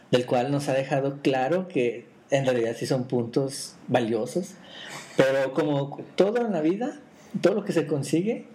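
A man, his voice sitting a little high. He hosts a relaxed podcast, teasing his co-host and stumbling over restarts as he jokes. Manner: teasing, playful, restarts a lot. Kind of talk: casual joking chat.

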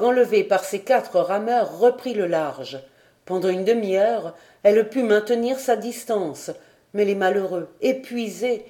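A woman's voice: mid-range voice, warm tone. A woman narrating a classic adventure novel as an audiobook, reading expressively and dramatically. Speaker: audiobook reader.

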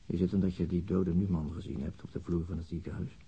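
An actor playing a brooding, weary middle-aged police inspector in a radio play, with terse, probing, self-questioning delivery and a husky voice. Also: male voice, low voice, level tone, quick pace, dark tone, dull audio, full character voice. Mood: anguished, self-doubting. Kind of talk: radio play acting, inner monologue and questioning.

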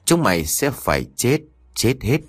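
A man's voice: mid-range voice, big pitch swings, moderate pace, no room sound. A man voicing a vengeful white ghost in a told horror story, speaking in a threatening way. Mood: menacing.

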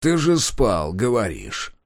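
A man voicing a gruff, menacing gang leader in an audiobook, slow and threatening. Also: fairly low pitch, huge pitch swings, no room sound, clean studio sound, full character voice.

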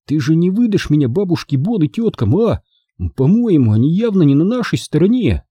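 A man's voice: fairly high pitch, sing-song, a little fast, mellow, breathy edge, no echo, voice pushed up. A man voicing an earnest, serious young boy in an audiobook. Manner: earnest, hesitant.

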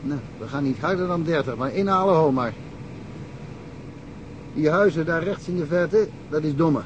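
A wry, talkative small-town cop, played by a man rambles through old cases with a dry chuckle. His voice sits a little high, with a faint hiss behind it. It is a radio play. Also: animated, moderate pace, highs cut off, lightly acted. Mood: amused, chatty. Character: chatty provincial cop, male, middle-aged, wry. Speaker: local police detective. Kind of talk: radio drama acting.

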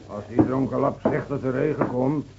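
An actor playing a gruff village tavern keeper in a radio play, scoffing, curt and bossy. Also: male voice, mid-range voice, normal speed, close to an everyday voice. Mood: scornful. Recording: muffled, noisy old radio recording with hum.

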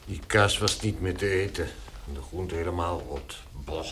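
A man's voice: low-pitched, normal speed, a bit bright, slight background noise. An actor playing a harsh, irascible, middle-aged father with a brusque, commanding manner in a radio play. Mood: bitter.

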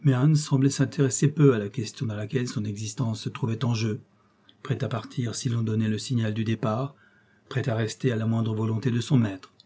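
A man narrating a classic novel in a steady, expressive reading. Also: lowish voice, fairly quick, husky. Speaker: audiobook narrator. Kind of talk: scripted narration.

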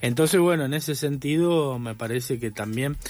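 A documentary film director with an Argentine accent, speaking reflectively in a radio studio interview and pausing often on filler sounds. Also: male voice, mid-range voice, a little mellow. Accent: Argentine Spanish.

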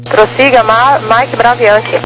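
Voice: mid-range voice, steady tone, measured pace, fairly bright tone. An air traffic controller giving terse, procedural instructions in clipped aviation phraseology over a radio transmission. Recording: noisy, humming aviation radio.

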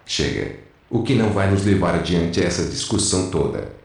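Man as low-voiced cautious rebel peacemaker. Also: big pitch swings, gravelly, exaggerated voice. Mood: cautious, placating. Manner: measured, placating. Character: weary, cautious male peacemaker among rebels. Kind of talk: audio drama acting. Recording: very echoey space.

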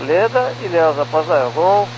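A man's voice: on the high side, big pitch swings, moderate pace, dull audio. A man with a Brazilian accent speaking as a pilot, reading back instructions over a crackly aviation radio. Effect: crackly aircraft radio transmission. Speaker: airline and light aircraft pilot. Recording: very noisy crackly VHF radio, humming.

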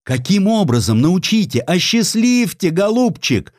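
Man as a fawning, high-pitched restaurant owner. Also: sing-song, unhurried, darkish tone, no room sound, studio quality. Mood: fawning, desperate. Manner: pleading, fawning. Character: obsequious, desperate male restaurant owners begging officials.

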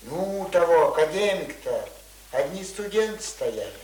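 A man's voice: fairly high pitch, big pitch swings, normal speed, darkish tone. An actor playing a stubborn, uneducated old village man in a radio play, grumbling in folksy, colloquial speech. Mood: pensive. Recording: roomy radio play recording, faint noise.

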